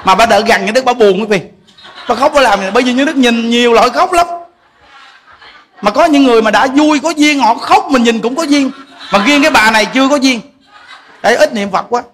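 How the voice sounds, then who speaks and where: Speaking a little fast in an extremely high, fairly bright voice, this monk delivers a funny dharma talk with a Southern Vietnamese accent. He laughs a lot, cracks jokes, and addresses his listeners directly.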